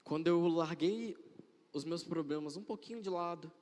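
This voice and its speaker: A man's voice: a little high, normal speed, darkish tone. A young man giving an earnest religious testimony, repeating phrases for emphasis. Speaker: church member giving testimony. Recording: long hall reverb.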